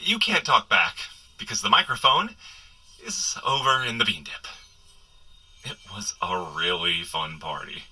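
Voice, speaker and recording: An actor playing a sheepish, wisecracking hungover superhero, chatting and rambling self-deprecatingly in a comedic audio drama. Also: male voice, on the low side, expressive, measured pace, pushed and bright, husky, full character voice.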